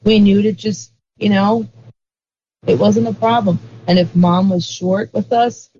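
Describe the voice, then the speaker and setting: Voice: mid-range voice, fairly even intonation, measured pace, mellow, muffled recording, slight background noise. An interview guest explaining ideas in a casual, rambling way, leaning on lots of "like" fillers. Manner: rambling, heavy use of "like" fillers.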